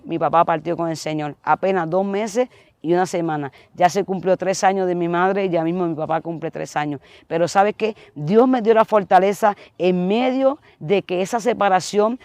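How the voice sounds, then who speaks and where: A woman's voice: medium pitch, darkish tone, no room sound. A woman preacher telling an emotional testimony in a fervent sermon style, often calling her listener brother.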